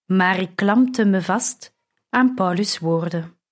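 A woman reading a first-person audiobook in a measured, earnest way. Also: medium pitch. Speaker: narrator.

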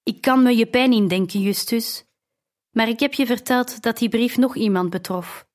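A woman's voice: fairly high pitch, normal speed, a little mellow, close to an everyday voice. A woman reading the lines of a stern older father in an audiobook, firm and commanding.

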